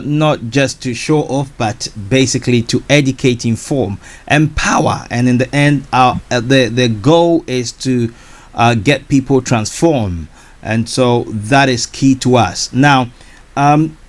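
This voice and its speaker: Enthusiastic male radio host. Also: mid-range voice. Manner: enthusiastic, repeats exclamations, halting restarts. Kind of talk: radio interview.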